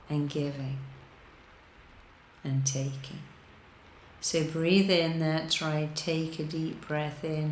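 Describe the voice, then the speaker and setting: Slow, low-voiced woman guiding meditation. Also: roomy sound, a little hiss or hum, rough recording. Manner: soothing, deliberate, repetitive instructions with pauses. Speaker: guided meditation leader, hypnotherapist. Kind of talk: guided meditation narration.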